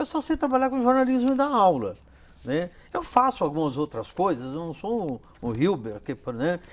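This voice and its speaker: Very wide pitch swings mark this man's high-pitched voice at a moderate pace. The recording is very clean, with a silent background. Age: 60s. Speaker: journalism professor. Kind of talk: interview.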